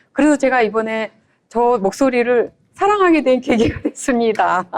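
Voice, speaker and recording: A high-pitched woman speaks at a moderate pace with lively intonation. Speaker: singer and actor. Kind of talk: interview.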